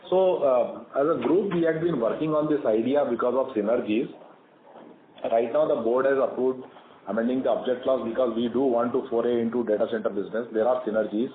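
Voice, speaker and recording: A man with an Indian accent speaks as an executive on an earnings call, explaining things in a measured way. His mid-pitched voice comes through a narrow telephone band, with noticeable echo and some noise. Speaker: company executive answering investor questions. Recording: phone-like conference line, echoey, clearly noisy.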